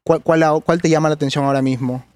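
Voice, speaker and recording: Upbeat male interviewer, slightly high voice. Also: fairly even intonation, fast talker, a little mellow, dry recording. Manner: encouraging, frequent backchannel "ujú". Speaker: podcast interviewer. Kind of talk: casual interview.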